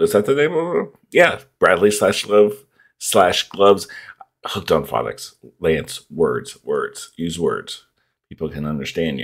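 A man at a fairly slow pace, quiet background behind him. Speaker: reaction channel host. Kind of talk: casual vlog chat. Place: home room. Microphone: studio mic.

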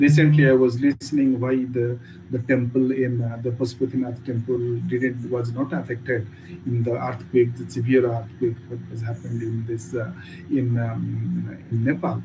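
Audible room echo surrounds a man's medium-pitched voice, delivered in a monotone with flat intonation. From India, Odisha. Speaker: disaster risk reduction expert. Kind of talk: webinar lecture. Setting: online webinar. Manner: fast; halting, many fillers.

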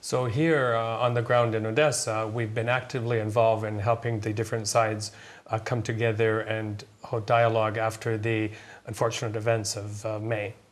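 This man speaks at a moderate pace and a medium pitch. His intonation is monotone and flat. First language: English (speaking Russian). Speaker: spokesperson for an international monitoring mission. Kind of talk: TV studio interview via interpreter. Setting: TV studio. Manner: hesitant, many fillers. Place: studio. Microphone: lapel.

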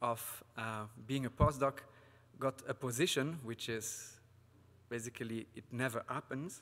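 A man talks very slowly, and his intonation stays fairly even. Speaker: academic host introducing the speaker. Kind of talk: speaker introduction. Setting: lecture hall with live audience. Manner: halting, with many filler words. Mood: warm, slightly hesitant. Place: hall. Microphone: podium.

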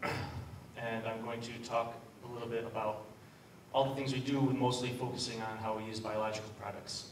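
Monotone, flat intonation from a man at a moderate pace, with audible room echo and light background noise. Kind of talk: presentation talk. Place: hall. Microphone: camera far.

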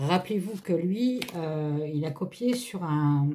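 Against light background noise, a woman with a fairly low pitch speaks in a dark, mellow tone that is somewhat breathy. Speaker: tarot card reader YouTuber; tarot reader. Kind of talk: casual tarot reading monologue. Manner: chatty, hesitant with fillers; self-reminder to speak slowly. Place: home room. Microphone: phone near.

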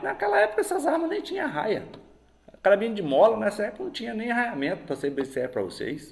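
A man talks at a high pitch and a fairly quick pace. His pitch swings very widely. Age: 40s. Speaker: airgun shooting youtuber. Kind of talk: casual tutorial to camera. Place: home room. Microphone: camera far.

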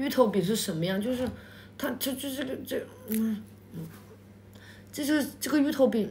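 Leaving long, frequent pauses, a woman speaks in a high-pitched voice with a dark, mellow tone. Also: ordinary pitch variation, moderate pace. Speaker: livestream host. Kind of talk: casual chat. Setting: livestream. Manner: animated, chatty.

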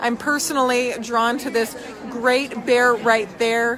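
Crowd noise carries in the background as a woman speaks at a very slow pace in a dry sound with no echo. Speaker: marketplace host at a fair. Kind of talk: casual live-stream vlog chat. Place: hall. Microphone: phone near.

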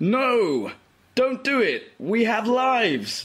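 Putting on a character voice at an extremely high pitch, a man speaks at a very slow pace. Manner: pleading, mock-distressed.

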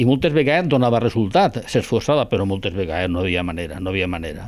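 A Valencian accent with very wide pitch swings. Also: man. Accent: Valencian Catalan. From Valencia region, Alzira; Valencia region. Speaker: retired company director; interviewee. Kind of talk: interview. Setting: at his home. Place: home room. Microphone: handheld.

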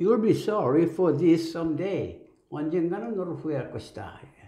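The dark, mellow voice shows ordinary pitch variation and big swings in loudness, with audible room echo over a quiet background. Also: man, high pitch for a man. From South Korea. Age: 70s. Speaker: English teacher. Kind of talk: lesson. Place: classroom. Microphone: phone near.

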